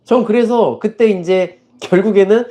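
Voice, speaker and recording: A man in his forties, a lawyer hosting a casual live stream, telling case stories with lively quoted dialogue. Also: high voice, moderate pace. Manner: animated storyteller, recounting cases with quoted dialogue. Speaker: lawyer and channel host.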